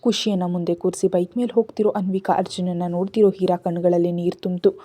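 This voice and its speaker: A woman's voice: on the low side, level tone, quick pace, dark tone, no echo. A woman reading a romantic family story aloud as a storyteller, voicing the characters' lines in her own narrating voice.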